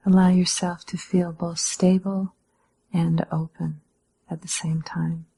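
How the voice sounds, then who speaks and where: Speaking in a breathy, faintly husky tone that sits on the low side, a woman leads a guided meditation. She keeps her instruction calm and measured, leaving gentle pauses.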